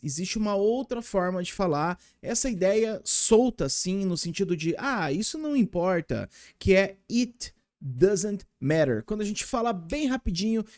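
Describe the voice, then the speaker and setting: Brazilian man, english teacher, chatty and upbeat, higher voice, mellow tone, dry close sound. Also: dry recording. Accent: Brazilian Portuguese. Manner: chatty and enthusiastic, talks to viewers directly. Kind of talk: casual online lesson.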